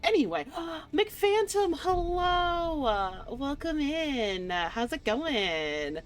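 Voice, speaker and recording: A woman streaming a game and chatting casually to viewers in an excitable, gushing, playful and slangy way. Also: sits high, slow pace. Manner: slangy, swearing. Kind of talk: casual livestream chat to viewers. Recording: music behind the voice. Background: music.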